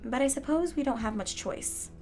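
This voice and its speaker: A woman playing a calm, principled townswoman who speaks in a measured, articulate way in an audio drama. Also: high-pitched, faint music behind. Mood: earnest, persuasive. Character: calm, principled female cryptid townsperson, gently persuasive. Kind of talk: naturalistic audio drama dialogue.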